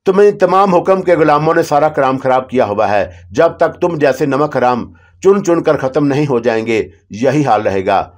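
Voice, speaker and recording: A man's voice: mid-range voice, animated, normal speed, natural voice. A man voicing a cornered male informant who insists he only followed orders. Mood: cornered defiance. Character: servile male informant, cornered but defiant.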